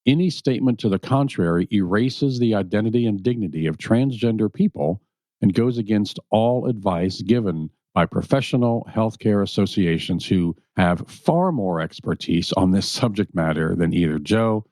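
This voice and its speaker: A man co-hosting a podcast in playful, animated casual chat, wearing headphones at a close mic. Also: fairly low pitch, normal speed, no echo, rough recording. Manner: animated, playful, apologetic asides. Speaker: podcast co-host.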